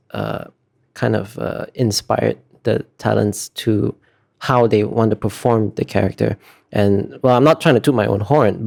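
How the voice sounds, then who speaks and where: Gravelly, mellow-voiced man, thinking aloud. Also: fairly low pitch. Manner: hesitant, searching for words, earnest. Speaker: illustrator being interviewed. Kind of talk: thoughtful interview answers.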